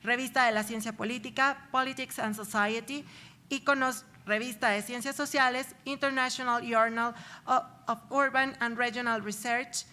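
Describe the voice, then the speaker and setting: A woman's voice: on the high side, steady tone, normal speed, bright, forceful tone. A woman moderator reading a speaker's introduction, steadily listing his publications.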